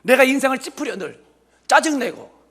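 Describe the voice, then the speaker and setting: A man's voice: very high voice, sing-song, moderate pace, fairly bright tone, breathy edge. A man in his fifties preaching a humorous sermon as a pastor, joking and firing rhetorical questions at the congregation. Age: 50s. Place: church sanctuary.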